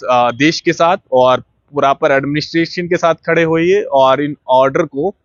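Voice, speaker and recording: A man's voice: a little high, normal speed, dry recording, lo-fi sound. Man reporting local news, dry sound. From Jammu and Kashmir. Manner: explanatory, repeats phrases, frequent hesitations. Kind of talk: unscripted news report to camera.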